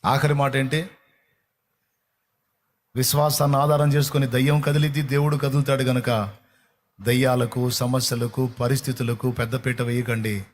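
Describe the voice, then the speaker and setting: A man's voice: mid-range voice, flat delivery, normal speed, pauses often. A middle-aged man preaching a sermon in a fervent, repetitive cadence. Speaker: pastor.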